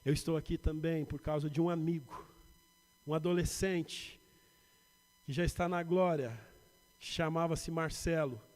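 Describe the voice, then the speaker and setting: A man with a São Paulo Brazilian accent preaching a sermon as pastor, building to emphatic points and dropping to quiet asides. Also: fairly high pitch, steady tone, unhurried, pauses often. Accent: Brazilian Portuguese, São Paulo. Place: church sanctuary. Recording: reverberant church hall.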